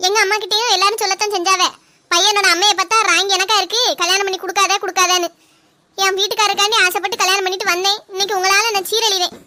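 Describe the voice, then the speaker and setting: A woman's voice: very high voice, steady tone, fast, sharp tone. A woman acting an indignant young daughter-in-law who argues back in a comic family skit.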